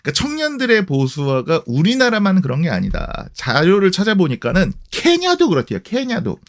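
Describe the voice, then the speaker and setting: Man, late 30s, casual commentary host; slightly high voice with animated pitch, conversational and explanatory. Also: fairly quick. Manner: conversational, explaining with rhetorical questions. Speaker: history YouTuber.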